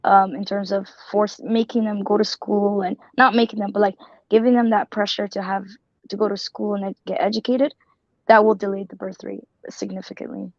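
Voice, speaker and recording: A woman's voice: mid-range voice, flat delivery, brisk, darkish tone, no echo, dull audio. A woman from Somalia joining an online group discussion, talking in a rambling, earnest way and often correcting herself. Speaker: caller.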